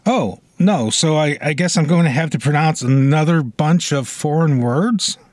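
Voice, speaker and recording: A man's voice: a little high, normal speed, darkish tone, dry recording. A man hosting a radio segment, playing along warily and a little reluctant, in a scripted sketch. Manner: wary, playfully reluctant. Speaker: radio host.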